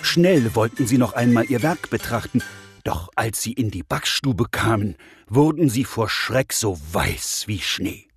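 A man reading a children's bedtime story in a gentle, expressive way. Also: medium pitch, a little slow, faint music behind. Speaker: narrator. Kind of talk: scripted storybook narration.

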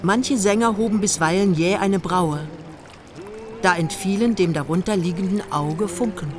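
An actress playing a detached, ironic narrator in a radio play, telling the story in measured, dry literary prose. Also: female voice, on the low side, a crowd in the background, lightly acted. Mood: dry, observing.

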